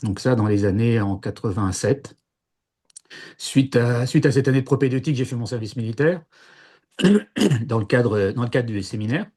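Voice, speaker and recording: A Parisian man in his sixties, a former seminarian, recounts his past in a casual interview, hesitating with many fillers and restarts. His voice is medium-pitched with a darkish tone, and he speaks at a moderate pace, pausing often.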